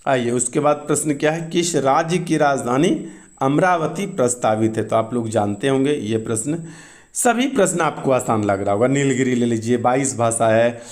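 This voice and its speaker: A man's voice: medium pitch, a little mellow. Man explaining exam answers casually. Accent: Bihari Hindi. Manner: explains quickly and casually, often adds asides. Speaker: teacher.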